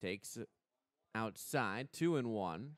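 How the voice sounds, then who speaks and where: A young American man doing live radio play-by-play commentary of a softball game as the announcer. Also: fairly low pitch, no echo. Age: young adult. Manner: measured between plays, excited on big plays.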